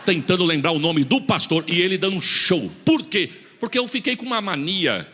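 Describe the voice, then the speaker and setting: Male São pastor, rapid and bright, lively story sermon, echoing hall. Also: high voice. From São Paulo state, Brazil. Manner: animated, acts out dialogue, rising to emphatic shouts. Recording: reverberant church hall.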